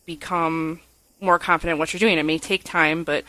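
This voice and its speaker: A woman with a slightly low voice talks as a podcast co-host. She is casual, sincere and self-deprecating as she shares personal experience, recorded close and dry. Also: steady tone, moderate pace, bright, forceful tone, dry recording, rough recording. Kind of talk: casual, candid personal storytelling.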